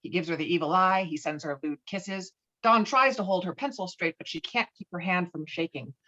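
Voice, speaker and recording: A woman's voice: lowish voice, brisk, bright, forceful tone. Woman reading stage directions, dull lo-fi audio. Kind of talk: scripted narration for a table read. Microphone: video call. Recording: dull, lo-fi online call audio.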